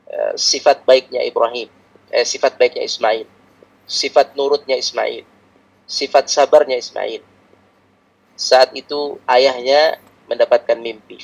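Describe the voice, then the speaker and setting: A man preaching a religious lecture in a calm, explanatory teaching manner, repeating his points often. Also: medium pitch, vocal fry, slightly rough, poor audio.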